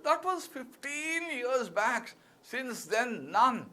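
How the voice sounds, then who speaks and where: A civil services exam teacher with an Indian English accent lectures a class emphatically, repeating key words and using frequent fillers. His very high-pitched voice swings widely in pitch, moves slowly, and sounds bright and forceful.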